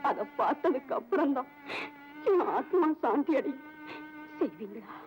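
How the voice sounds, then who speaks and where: A woman's voice: high voice, animated, normal speed, a little mellow, low-quality recording. An actress playing a mother in an old film drama, speaking in an emotional, imploring way. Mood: pleading. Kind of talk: 1970s film drama acting. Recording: old film soundtrack with music.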